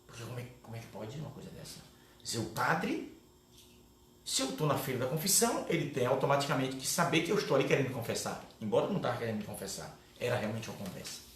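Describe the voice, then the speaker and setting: A man's voice: medium pitch, fast talker. Man telling a story in an echoey room. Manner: animated storyteller, often tags lines with "né?". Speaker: guest speaker at a catechesis. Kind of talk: first-person testimony storytelling. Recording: echoey room with faint background noise.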